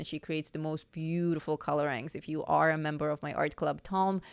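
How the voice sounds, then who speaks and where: Recorded very cleanly against a silent background, a woman with a Russian accent speaks in a fairly low pitch. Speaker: art teacher. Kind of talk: live stream tutorial. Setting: live stream. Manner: casual, chatty.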